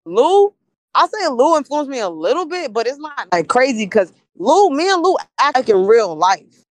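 A woman's voice: high voice, big pitch swings, moderate pace, no echo. Emphatic woman rapper, dry close mic. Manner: emphatic, repeats phrases to drive a point. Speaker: podcast guest, battle rapper. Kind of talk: casual podcast chat.

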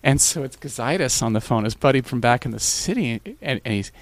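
A man's voice: medium pitch, brisk, no echo. A man telling a long anecdote in casual conversation, with many restarts. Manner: animated, rambling with restarts. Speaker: guest. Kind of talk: casual storytelling.

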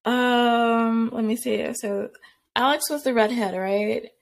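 A woman's voice: on the high side, fairly even intonation, slow, creaky. A woman guest on a podcast, chatting casually in a rambling way, full of "like" and restarts, and laughing often. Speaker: podcast guest, comics creator.

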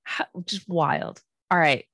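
A woman's voice: sits low, expressive, slow pace, a bit bright, slight background noise. A woman co-hosting a casual podcast, stuffy from a cold, joking about herself. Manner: self-deprecating, jokey. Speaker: co-host.

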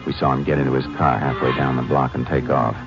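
Shrewd male lawman lead, deep bass, measured folksy delivery, dull vintage radio sound. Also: level tone, loud music behind the voice. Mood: grim narration. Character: steady, shrewd Texas Ranger lawman, grown man. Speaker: radio drama lead actor and narrator. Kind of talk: 1950s radio western acting and narration. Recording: muffled, noisy old radio recording.

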